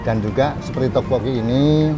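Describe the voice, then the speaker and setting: A man's voice: medium pitch, brisk. Older man, hesitant, music behind. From Indonesia. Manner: hesitant, plain storytelling with restarts. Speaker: restaurant owner and former chef. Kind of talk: casual interview.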